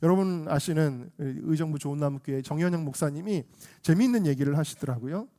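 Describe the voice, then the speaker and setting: A man's voice: on the high side, a little fast, warm tone. A male senior pastor preaching a Sunday sermon with emphasis, often putting questions to the congregation.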